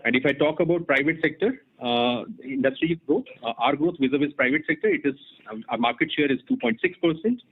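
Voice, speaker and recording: A man with an Indian accent, formally reading a company results presentation in a measured, businesslike way as an executive. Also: on the high side, very animated, gravelly, husky. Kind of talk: scripted earnings call presentation. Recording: muffled narrowband phone conference line.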